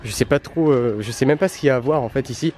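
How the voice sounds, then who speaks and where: A man's voice: medium pitch, quick pace, noisy background. A young man chatting casually and informally to a travel vlog audience in offhand, slangy speech. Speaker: travel vlogger.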